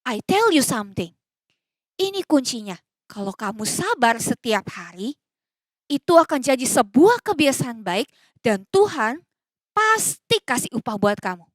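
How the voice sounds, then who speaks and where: Bright-voiced woman teaching children. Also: high-pitched, measured pace, pauses often, dry recording. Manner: animated, coaxing questions to children; mixes in English phrases. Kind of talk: children's sermon. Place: church recording.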